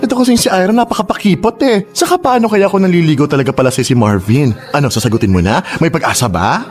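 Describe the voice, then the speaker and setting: A male actor as a campy, nosy young gay friend in a radio drama. His delivery swoops around in lively, teasing exclamations, with music underneath. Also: on the high side, quick pace, lightly acted. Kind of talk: Tagalog radio drama acting.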